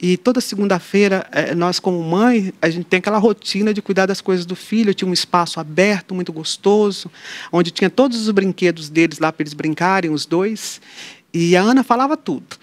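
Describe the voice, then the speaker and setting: A woman's voice: on the low side, fairly quick, no echo. A middle-aged woman talks about her family and her faith as an interview guest, and she gives each person in her story a voice of their own. The recording is dry and close, with no room sound around her. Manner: lively storyteller who acts out quoted dialogue. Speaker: interview guest, mother of an atypical child. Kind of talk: personal faith testimony in conversation.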